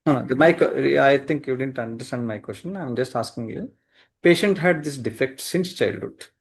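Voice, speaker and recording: Male medical examiner, South Asian accent, mid-pitched voice, insistent teaching style on an online call. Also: normal speed, creaky, husky. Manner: insistent, repeats questions, checks with "correct?". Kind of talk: teaching and questioning. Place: webinar call.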